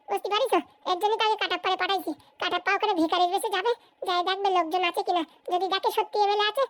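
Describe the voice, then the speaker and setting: A domineering village schemer in a comic cartoon, with an extremely high, childlike pitch and a rapid-fire rural Bengali accent. She scolds and blusters in a foul temper, recorded close and dry. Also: dry recording. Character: bossy, foul-tempered, scheming village woman with political ambitions. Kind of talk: comic cartoon voice acting, colloquial dialect.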